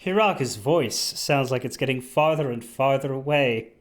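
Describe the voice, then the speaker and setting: A man's voice: medium pitch, moderate pace. A man playing a video game with casual, sardonic, sweary commentary. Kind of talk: casual let's play commentary.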